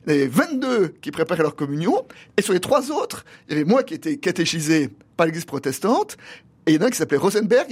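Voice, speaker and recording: Husky older man, slightly high voice. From Paris, France. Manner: thoughtful, halting, many pauses and restarts. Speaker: pastor and guest. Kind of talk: reflective interview answers.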